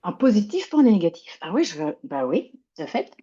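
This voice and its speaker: A woman's voice: medium pitch, big pitch swings, a little fast, mellow, slightly rough, lo-fi sound. A woman speaking informally as a workshop participant on a video call, searching for words and restarting phrases. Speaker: workshop participant, small business advisor. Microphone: video call microphone.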